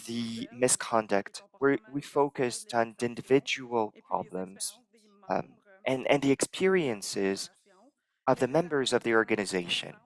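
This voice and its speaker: A man interpreting a conference talk live into English, measured and halting, pausing as he translates. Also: medium pitch, rough recording. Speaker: simultaneous interpreter.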